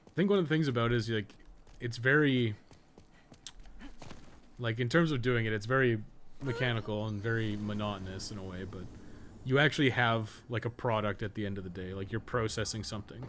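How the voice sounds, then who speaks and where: Fairly quick and a bit bright, this man's low-leaning voice carries loose live gameplay commentary full of rambling asides and some profanity. He streams games and co-hosts a podcast, and there's a little hiss or hum on the recording.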